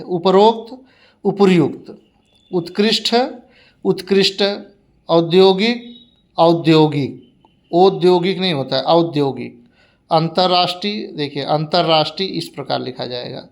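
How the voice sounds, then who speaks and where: A man teaching a spelling lesson, saying each word slowly and repeating it to give the correct form. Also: a little high, gravelly. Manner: deliberate, repeats each word twice, explanatory. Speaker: Hindi teacher.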